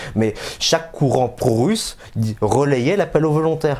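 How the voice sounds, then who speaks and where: A man at a medium pitch. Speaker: war volunteer. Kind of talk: interview. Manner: halting.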